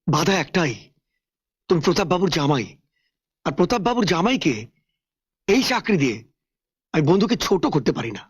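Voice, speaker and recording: An actor playing a formal, polite official refusing a job in a film drama. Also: male voice, on the high side, big pitch swings, moderate pace, long pauses, husky. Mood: firm.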